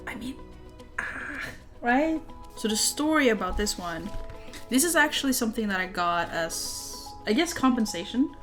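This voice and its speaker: A woman's voice: a little high, lively intonation, normal speed, a bit bright, faint music behind. Chatty young Norwegian woman vlogging. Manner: chatty and rambling, with many fillers and laughs. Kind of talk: casual show-and-tell vlog.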